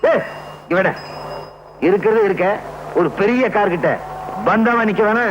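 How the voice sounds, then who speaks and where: An actor playing a rough, commanding leader of a small gang of thieves in an old film. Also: male voice, high voice, measured pace. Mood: bossy. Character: bossy male gang leader of petty thieves. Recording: dull old film soundtrack with loud music.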